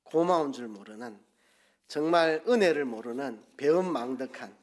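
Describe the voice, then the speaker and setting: A man with a Gyeongsang accent preaching a sermon as pastor, asking the congregation questions and leading them in call-and-response. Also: mid-range voice. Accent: Gyeongsang Korean.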